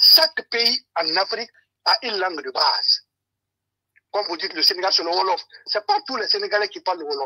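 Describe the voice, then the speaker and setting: The speech moves at a fairly quick pace. Long pauses come often. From Guinea. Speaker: caller. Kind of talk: call-in political debate. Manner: halting.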